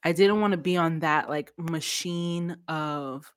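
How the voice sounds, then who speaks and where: This podcast guest, a woman in her 30s, has a low-sitting voice with a clean tone and an unhurried pace. Her chat is easygoing, broken up by frequent laughter and sentences that fade out midway.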